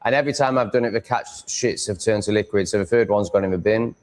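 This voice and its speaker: Low-voiced Yorkshire man, blunt and crude. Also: quick pace. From Yorkshire, England. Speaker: livestream host. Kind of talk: casual rambling livestream chat.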